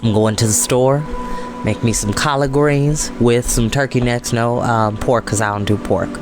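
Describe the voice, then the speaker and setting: A man's voice: mid-range voice, fairly even intonation, moderate pace. An American man hosting a storytime show, talking informally and earnestly to online viewers with emphatic, repeated phrases. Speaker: host of a storytime reading show. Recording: soft meditation music behind the voice. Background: meditation music.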